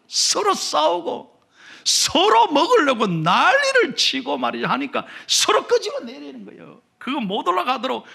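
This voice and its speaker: A man with a Gyeongsang accent preaching a sermon, telling stories animatedly and swinging from shouts to whispers. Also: very high-pitched, gravelly, breathy edge. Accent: Gyeongsang Korean. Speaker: pastor.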